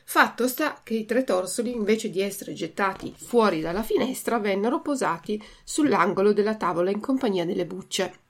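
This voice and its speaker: A woman's voice: medium pitch, animated, normal speed, few pauses. A woman reading a story aloud expressively, then reading out a vocabulary list as a teacher. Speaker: reader and language teacher.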